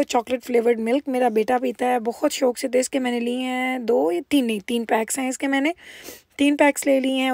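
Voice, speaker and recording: A woman's voice: high-pitched, warm tone, no echo, studio quality. A middle-aged woman, narrating a vlog casually and chattily, mixing in English words. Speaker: vlogger, homemaker.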